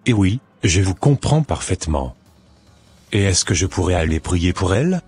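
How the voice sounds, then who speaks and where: A man's voice: deep voice, big pitch swings, normal speed, a little mellow, breathy edge, full character voice. A man voicing a solemn, devout Christian in a cartoon, speaking in a formal, pious way. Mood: relieved. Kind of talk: scripted amateur Christian cartoon dialogue. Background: faint music.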